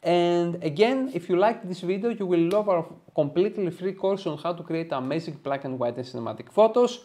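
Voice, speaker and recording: A man's voice: sits high, lively intonation, brisk, warm tone. A man in his thirties with a Greek accent, giving an enthusiastic step-by-step tutorial to viewers. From Greece. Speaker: photo editing tutorial host. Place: small room, home studio.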